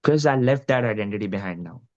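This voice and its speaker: A man's voice: fairly low pitch, lively intonation, fast, a little mellow, highs cut off. A young man with an Indian Punjabi accent, a guest musician talking earnestly and casually, with lots of "you know" and "like". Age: young adult. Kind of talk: casual interview talk.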